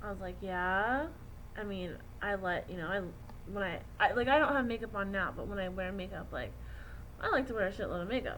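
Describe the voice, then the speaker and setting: A woman at a medium pitch, with ordinary pitch variation, a fairly quick pace, long, frequent pauses and audible room echo. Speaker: beauty vlogger. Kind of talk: casual talking video. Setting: at work, filming to camera. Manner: hesitant, many fillers; animated.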